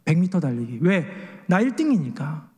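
Pastor guy in his 40s, high voice, church sermon w/ stories and questions to the crowd, big echoey sanctuary. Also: very animated, moderate pace, a little mellow. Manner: storytelling with acted quotes and questions to the congregation. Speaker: senior pastor. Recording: long church hall reverb.

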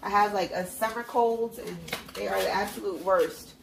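A budgeting vlogger with a stuffed-up, congested nose chats upbeat at a table at home, counting cash into envelopes and encouraging herself. Her medium-pitched, creaky voice holds a steady tone at a moderate pace. The overhead camera shows only her hands, with the mic off-frame, and the reverberant room has a noisy background.

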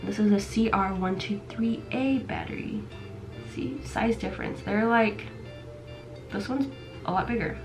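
Music plays in the background as a young woman in her twenties, a vlogger, unboxes and shows off her gifts from a small indoor bedroom with camera shelves. Sick, stuffy-nosed and losing her voice, she talks casually at a measured pace in a medium pitch, using plenty of fillers.

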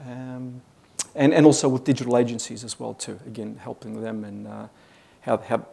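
A man's voice: mid-range voice, level tone, moderate pace, vocal fry, mellow, slightly rough. A man in his forties with an Australian accent, giving a business talk at a conference with many fillers and restarts. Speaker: conference speaker. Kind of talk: business presentation. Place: conference hall stage.

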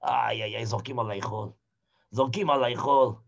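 An actor playing a shipwrecked old Hasid, telling his story in the first person and swinging from hushed murmurs to shouted cries. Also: medium pitch, fairly even intonation, vocal fry. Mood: dramatic. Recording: dull lo-fi recording.

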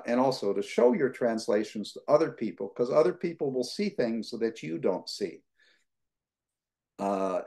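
A man in his sixties from the United States, answering questions as a guest lecturer on a video call from his living room, relaxed and rambling with many fillers. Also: medium pitch. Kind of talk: conversational Q&A answer.

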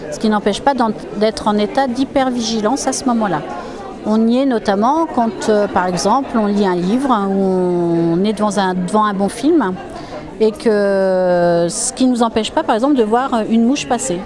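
A woman hypnotherapist explaining her practice in an interview, calm and explanatory. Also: mid-range voice. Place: busy exhibition hall. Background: crowd chatter.

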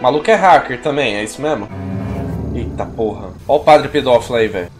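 A man in his thirties from Brazil streaming a horror game, swearing constantly and yelping in fright, his voice going hoarse. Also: medium pitch, fairly quick. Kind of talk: live gameplay commentary. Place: home streaming room. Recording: game music underneath.

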